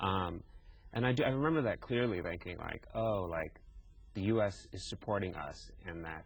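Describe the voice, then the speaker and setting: Moderate pace and lively intonation from a man with an American accent, fairly low-pitched and somewhat breathy. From Iraq and US. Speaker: filmmaker. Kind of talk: interview.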